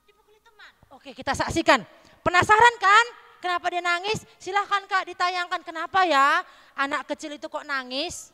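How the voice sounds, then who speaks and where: In an echoey church hall, a woman with a North Sumatran Indonesian accent leads a lively children's Christmas Sunday school lesson, quizzing the kids with questions. Her voice is very high and she speaks at a moderate pace.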